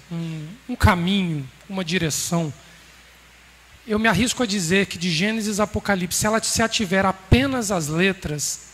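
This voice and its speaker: High-voiced man preaching in a hall. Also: fairly bright tone. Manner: measured, emphatic preaching with pauses. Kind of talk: sermon. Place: congregation hall. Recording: roomy hall reverb, faint background noise.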